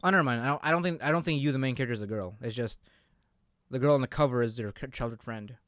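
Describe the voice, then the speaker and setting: A man hosting a casual video game chat, explaining things in an informal, halting way. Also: medium pitch, a bit bright, no echo, clean studio sound. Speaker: podcast host.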